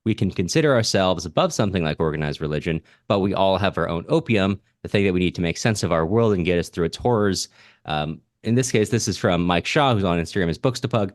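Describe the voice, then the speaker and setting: A man with a low-pitched voice speaks as a podcast host. He moves between reading comments aloud and offering measured, reflective commentary. The recording is close and dry. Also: animated, dry recording.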